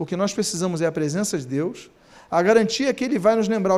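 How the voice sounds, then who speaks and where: A man's high voice at a very fast pace with ordinary pitch variation, on a very clean recording with a silent background. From Rio de Janeiro, Brazil. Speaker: pastor. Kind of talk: sermon.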